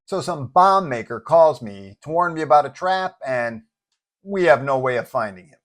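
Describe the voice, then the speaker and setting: Man doing a whiny, exasperated, loud superhero. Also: a little high, animated, normal speed, natural voice. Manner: complaining, exasperated. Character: rattled, whiny male superhero, irritable and dramatic.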